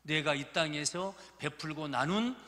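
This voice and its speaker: A pastor in his fifties from Gurye, South Jeolla, Korea, delivers a folksy, joking sermon to his congregation with a Jeolla accent. His voice is a little high and sharp, measured in pace, and echoes through a reverberant church sanctuary.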